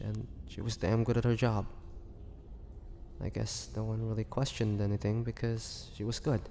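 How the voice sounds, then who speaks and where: A man playing a melancholy half-vampire, confiding his past slowly and haltingly in a dramatic audio roleplay monologue. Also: on the low side, vocal fry, dark tone. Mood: wistful. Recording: long reverberant hall, faint noise.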